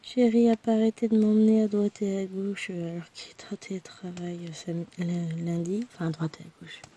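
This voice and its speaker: A woman vlogger with a hoarse voice from a throat infection, chatting to her viewers in a rambling, tired, self-deprecating way. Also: medium pitch, level tone, brisk, mellow. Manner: speaks tired and worn out. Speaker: crafting vlogger. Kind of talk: chatty personal update to viewers.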